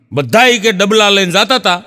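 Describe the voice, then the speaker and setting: A man's voice: high voice, sharp tone, long reverb tail. A man telling stand-up jokes in a Gujarati accent, acting out the characters with big jumps in his voice. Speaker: stand-up comic.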